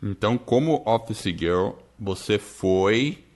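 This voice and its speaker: A man's voice: on the low side, lively intonation, slow, darkish tone. A man hosting a podcast interview, mostly brief supportive remarks and recapping what the guest said. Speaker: podcast host. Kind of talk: casual interview.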